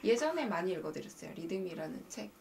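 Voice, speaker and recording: A woman coaching viewers on a live stream, talking to them directly with animated emphasis. Her voice has a gravelly edge and swings widely in pitch. She sits some way off the mic, with faint noise behind her. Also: fast talker, recorded from a distance. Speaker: mind-training coach and live-stream host.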